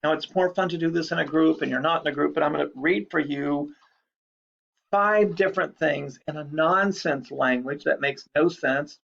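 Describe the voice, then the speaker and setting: Gravelly man lecturing, lo-fi. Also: fairly high pitch, moderate pace, fairly bright tone. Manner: chatty, explanatory, repeats key points. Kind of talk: recorded online lecture. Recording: dull lo-fi recording.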